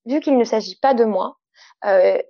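High-voiced woman, dull dry recording. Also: normal speed, dry recording. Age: 30s. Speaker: interviewed guest, clinical sexologist. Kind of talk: conversational podcast interview.

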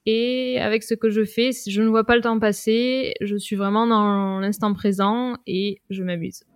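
A woman guest on a podcast interview, speaking with a regional French accent, hesitant and filling pauses often. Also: mid-range voice, fairly even intonation, smooth, no room sound, clean studio sound. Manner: hesitant, many "euh" and "du coup" fillers. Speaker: guest, watercolor teacher.

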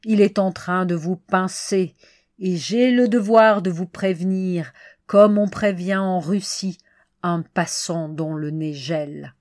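A woman's voice: lowish voice, fairly even intonation, slow pace, a little mellow, dry recording, studio quality. A woman reading as an insistent male clerk. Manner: emphatic, insistent. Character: excitable middle-aged male clerk warning of love.

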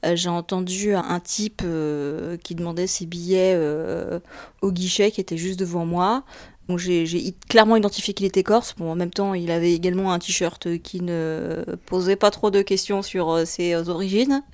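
A woman's voice: on the low side, steady tone, normal speed, a little mellow, dry recording. A woman telling a personal anecdote in an interview, enthusiastic, with frequent fillers. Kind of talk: personal testimony.

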